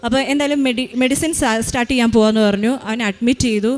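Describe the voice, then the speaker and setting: A woman in her thirties, a mother giving a personal faith testimony, rushing through it with frequent hesitations and restarts. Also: on the high side. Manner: rushed retelling with many restarts and hesitations.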